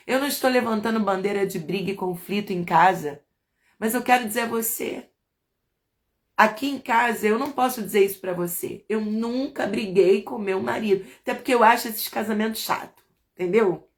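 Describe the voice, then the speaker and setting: A woman's voice: mid-range voice, normal speed. A middle-aged woman pastor with a Brazilian accent, giving a chatty, playful live church talk to women and asking her listeners questions. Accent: Brazilian Portuguese.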